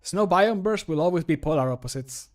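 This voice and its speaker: A man's voice: fairly high pitch, animated, fairly quick, lightly acted. A man voicing a cocky, punning older adventurer for video game lines, with a jokey, lightly taunting delivery. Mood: dry, punning. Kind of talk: game voice line takes.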